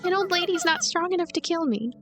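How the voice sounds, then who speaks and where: A woman's voice: extremely high pitch, animated, quick pace, a bit bright, voice pushed up, heavily acted. A woman voicing a cheerful, optimistic ghost girl in a visual novel, with a light and playful manner. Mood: bright, carefree. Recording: music behind the voice.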